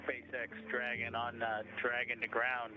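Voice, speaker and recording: A man's voice: medium pitch, completely flat delivery, a little slow, over music. Man speaking over a space radio link. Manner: hesitant, many fillers. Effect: space-to-ground radio link. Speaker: astronaut calling down to mission control. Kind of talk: radio procedure readout. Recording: dull lo-fi radio downlink.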